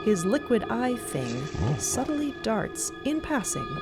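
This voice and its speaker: Expressive woman narrating a drama. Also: a little high, slow pace. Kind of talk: dramatic scripted podcast narration. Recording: loud music under the voice. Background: music.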